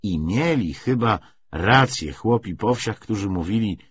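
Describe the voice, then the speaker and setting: Husky man narrating with lively, swooping intonation. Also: on the low side, unhurried, highs cut off. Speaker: audiobook narrator. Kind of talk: literary audiobook narration.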